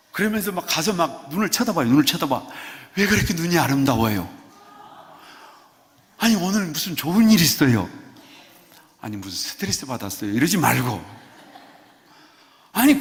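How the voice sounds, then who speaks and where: A male pastor preaching a sermon in a playful, animated way, coaxing the congregation to answer him. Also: a little high. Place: church sanctuary. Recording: long church hall reverb.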